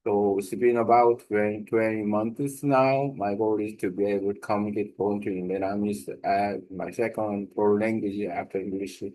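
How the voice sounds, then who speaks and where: A man with a Korean accent, a native Korean speaker, reading a prepared text aloud slowly and deliberately, pausing and correcting himself as he shares his language-learning method. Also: on the low side, fairly even intonation, warm tone, rough recording. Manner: slow, deliberate reading with pauses and self-corrections.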